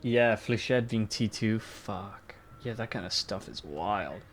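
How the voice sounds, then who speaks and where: A man with a fairly low voice streams a game at a slow pace, faint music playing behind him. The chat is casual, full of crude jokes and frequent laughter.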